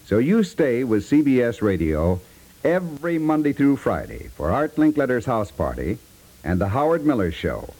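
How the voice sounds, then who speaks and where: Animated American male radio announcer. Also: mid-range voice, normal speed, husky, rough recording. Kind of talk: 1950s radio announcing, scripted promo. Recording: vintage 1950s radio recording.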